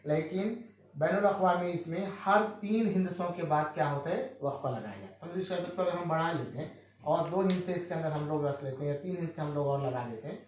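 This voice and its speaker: A man's voice: a little high, a little fast, darkish tone, very echoey, a little hiss or hum. A male teacher explaining a maths lesson, who asks questions and answers them himself with frequent checks on his listeners.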